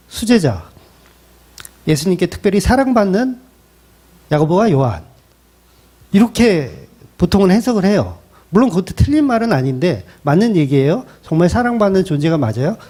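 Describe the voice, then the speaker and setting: A man's voice: high-pitched, warm tone. A middle-aged male pastor preaching a sermon in a conversational style, asking rhetorical questions. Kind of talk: expository sermon.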